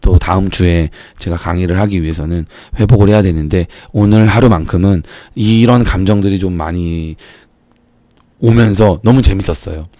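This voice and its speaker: A man's voice: deep voice, normal speed, mellow, dry recording. A man with a strained, sore throat speaking earnestly and emphatically to viewers in a motivational vlog, urging them on as an online business YouTuber.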